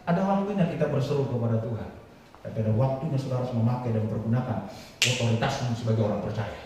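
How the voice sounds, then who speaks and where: A man preaching a sermon, often rising to loud, high, emphatic lines and quizzing the congregation. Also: muffled recording, slight background noise. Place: large church hall. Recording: echoey hall from far off.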